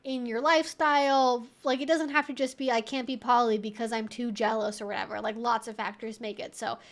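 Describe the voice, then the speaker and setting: A woman's voice: fairly high pitch, steady tone, a little fast. A woman hosting a casual advice livestream, answering questions in a conversational, rambling way peppered with "like" and "you know".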